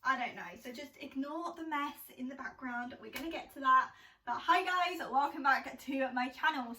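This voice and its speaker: High-voiced british girl vlogging at home, chatty, laughs at herself, bit far off the cam. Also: sharp tone, a little hiss or hum. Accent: British English. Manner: chatty and self-deprecating, laughs often. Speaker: lifestyle vlogger. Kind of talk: casual chatty vlog. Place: at home indoors, kitchen. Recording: echoey room, voice a bit distant from the camera.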